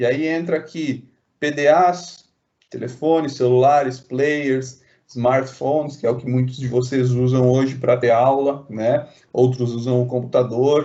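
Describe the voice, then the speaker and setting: Fairly slow pace and fairly even intonation in an ordinary speaking voice. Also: man. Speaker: university lecturer. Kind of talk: online lecture.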